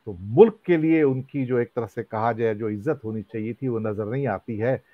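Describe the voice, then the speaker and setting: A man moderating a panel debate, speaking in a measured way and working song lines into his remarks. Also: mid-range voice, no echo. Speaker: debate host. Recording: dry, muffled lo-fi audio.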